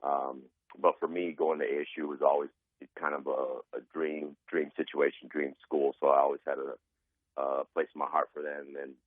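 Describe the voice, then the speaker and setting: A man with a raspy, extremely deep voice talks in a flat, even way. He speaks earnestly and unhurriedly, with lots of fillers. The sound is thin and tinny, like a phone call, and dry. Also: no echo. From Arizona. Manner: measured, earnest, many fillers. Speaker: guest, athletic director. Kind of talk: phone interview.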